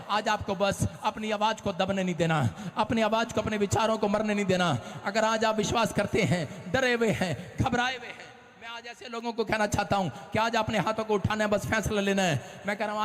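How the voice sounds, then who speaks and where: A man preaching a sermon as a pastor, shouting and acting out scenes as he tells stories. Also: high voice, steady tone, fairly quick, few pauses. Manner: shouting, dramatic storytelling. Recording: long hall reverb.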